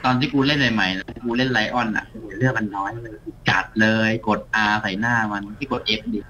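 A man's voice: on the low side, a little fast, pushed and bright, rough recording. Laid-back young man chatting about a game. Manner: laid-back, blunt, swears casually. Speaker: guest player. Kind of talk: casual gaming chat.

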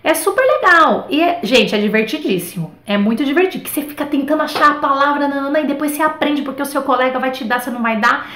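Speaking fast with few pauses in a high-pitched voice, a Brazilian French teacher chats her way through a casual online lesson. She is lively and scatters fillers such as "tá" and "né" throughout. There's noticeable room echo.

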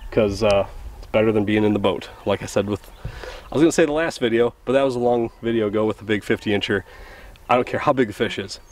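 A man in his thirties hosting a casual fishing vlog, talking excitedly to a camera held at arm's length outdoors on a small river boat. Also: fairly low pitch, fast talker. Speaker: host of fishing channel. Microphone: handheld camera at arm's length.

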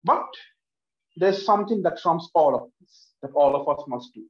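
A man's voice: fairly high pitch, lively intonation, moderate pace. A young man from Sri Lanka in his twenties, standing in his living room and giving an earnest, emphatic prepared speech while gesturing with both hands. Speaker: speech contestant. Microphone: laptop camera across the room, headphones on. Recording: echoey room, dull lo-fi sound.

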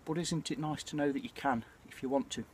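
A British man in his forties chatting casually and reflectively to camera, with a hesitant, throat-clearing delivery. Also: mid-range voice, steady tone, fast talker. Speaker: bushcraft vlogger. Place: outdoors at night by a small campfire. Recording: clear ambient noise of an outdoor campfire.

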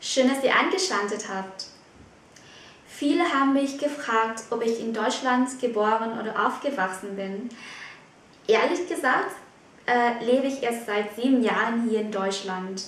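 Vietnamese lady teaching german words, highish voice, sounds far off in a big echoey room. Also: fairly bright tone, a little hiss or hum. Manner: clear, slow model pronunciations between quick explanations. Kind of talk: pronunciation lesson, German and Vietnamese.

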